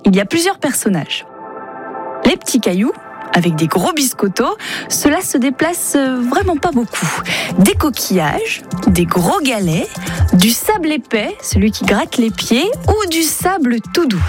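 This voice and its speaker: A woman radio columnist explaining a science question to children in a gentle storytelling tone. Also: high-pitched, very animated, measured pace, over music.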